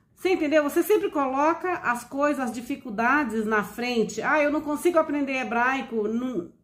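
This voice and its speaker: A woman with a high pitch and lively intonation. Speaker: Bible teacher. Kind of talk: Bible teaching video. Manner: halting, many fillers.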